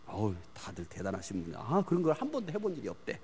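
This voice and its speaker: A man preaching a sermon on parenting, asking the congregation questions and answering them himself, swinging from loud emphasis to hushed near-whispers. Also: on the low side, wildly swooping pitch, quick pace, slight background noise. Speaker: pastor. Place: church sanctuary. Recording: long church hall reverb.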